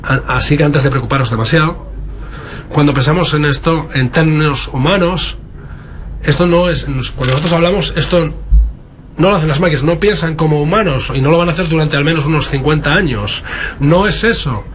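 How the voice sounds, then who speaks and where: A man with a Spain Spanish accent gives a live interpretation of a keynote in a somewhat high voice. His phrasing comes in halting, stop-start bursts. A faint noise sits under the voice. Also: fairly bright tone.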